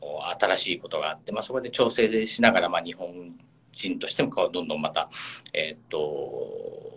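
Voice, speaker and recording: A man's speech at a moderate pace with big swings in loudness, over noticeable background noise. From Japan, Kanagawa (some childhood years in UK). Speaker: nonprofit director, educator. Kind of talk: interview. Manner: hesitant with many fillers.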